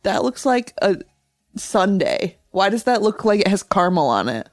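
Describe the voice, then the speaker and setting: A young woman co-hosts a casual podcast, trading dry, sarcastic teases with a low, husky voice. Her pitch leaps and dips dramatically. The recording is dry and close-miked. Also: very animated, moderate pace, no echo, soft background music. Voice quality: low, husky-sounding voice she jokes about. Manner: teasing, dry sarcastic quips, laughs often. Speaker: podcast co-host. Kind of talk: casual chat.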